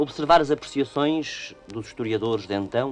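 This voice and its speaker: A man's medium-pitched voice at a moderate pace, with lively intonation and music in the background. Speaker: radio interviewer. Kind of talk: literary text reading. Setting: old radio broadcast recording.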